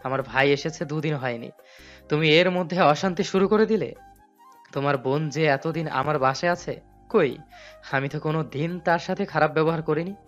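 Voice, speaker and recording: A man's voice: a little high, normal speed, dull audio, soft background music, close to an everyday voice. A man voicing a patient young husband in an audio drama, earnest and pleading. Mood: defensive.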